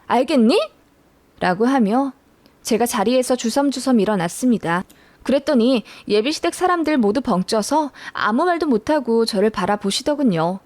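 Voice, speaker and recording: A woman narrating a listener's story in the first person, expressive and indignant. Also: high-pitched, no room sound.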